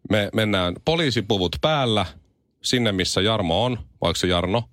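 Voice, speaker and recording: Lowish guy radio host goofing around in the studio, dry close mic. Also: no echo. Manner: animated, spins comic schemes. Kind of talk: joking radio morning show banter.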